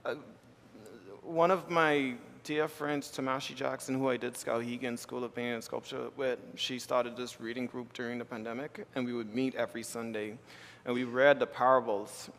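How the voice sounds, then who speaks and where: A man's voice: medium pitch, steady tone, fairly bright tone, slight background noise. A man from the Bahamas, an artist giving a keynote talk, speaking thoughtfully and restarting his phrases often in a live conversation. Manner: thoughtful, halting with repeated restarts. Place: lecture hall with audience. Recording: reverberant hall.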